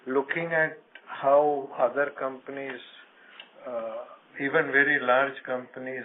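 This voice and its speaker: A man speaking as a senior company executive, making formal business remarks on a conference call. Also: mid-range voice. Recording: narrowband phone line with clicks and noise.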